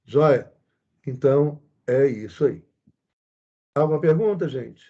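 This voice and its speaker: A man's voice: medium pitch, lively intonation, slow, dark tone, muffled recording. A middle-aged Brazilian man lecturing online with emphatic repetition and constant tag questions. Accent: Brazilian Portuguese. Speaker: university lecturer.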